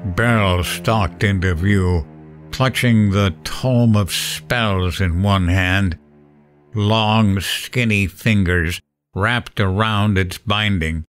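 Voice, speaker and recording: A man's voice: on the low side, slow, soft background music. An actor playing a terrified middle-aged late-night radio host, narrating his horror ordeal in a dramatic first-person audio drama style. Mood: fearful, grim.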